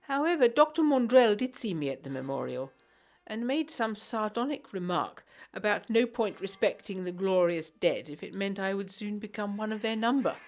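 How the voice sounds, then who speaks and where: Reading her own letter aloud for a gothic period audio drama, a frail, genteel young Englishwoman of the 1920s is voiced by an actress in a formal, earnest, articulate style, sounding uneasy. Her mid-range voice is natural and somewhat dark in tone, with lively intonation at normal speed, and there's a little hiss or hum.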